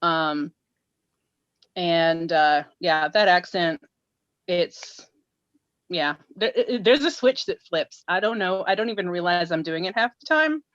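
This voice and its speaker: A woman from Texas chats beside her husband on a livestream, playful and quick to joke. Her voice sits on the low side. The sound is dry and a little dull, as if muffled. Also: animated, fairly bright tone, no echo. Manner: playful, joking, chatty. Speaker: host's wife, co-host. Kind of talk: casual livestream chat.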